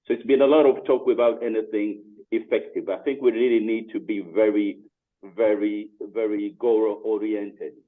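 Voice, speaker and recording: A man's voice: fairly low pitch, flat delivery, normal speed. Man on a tinny phone-like call. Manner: hesitant with many fillers, earnest. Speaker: meeting participant. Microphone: video call.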